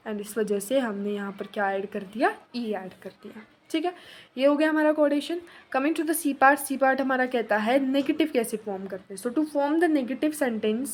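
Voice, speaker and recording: High-voiced woman teaching French grammar. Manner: explains step by step, mixing in English, asks and answers her own questions. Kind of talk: online grammar lesson.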